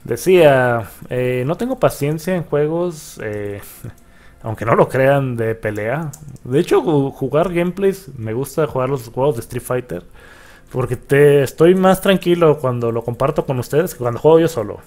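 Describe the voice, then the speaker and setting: A young man giving excitable let's play commentary, cursing and yelping at the game as he plays. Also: medium pitch, a little slow. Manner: excitable, swears and yelps at the game. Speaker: gaming YouTuber.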